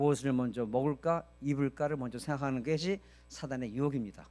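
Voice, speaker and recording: A fairly high-pitched man on a very clean recording with a silent background. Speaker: senior pastor. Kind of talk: sermon. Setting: church. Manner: fast.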